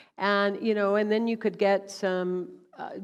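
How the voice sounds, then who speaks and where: A woman with an American accent and an ordinary speaking voice talks fairly slowly in a fairly high pitch. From South Carolina. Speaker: minister. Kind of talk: sermon.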